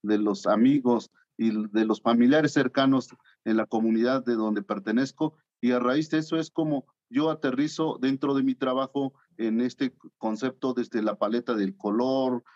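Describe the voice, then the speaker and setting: A man's voice: medium pitch, moderate pace, darkish tone, dull audio. A man in his thirties from Oaxaca, answering interview questions in a hesitant way, with many fillers, over a video call from his studio. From Oaxaca, Mexico. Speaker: guest artist. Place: home art studio.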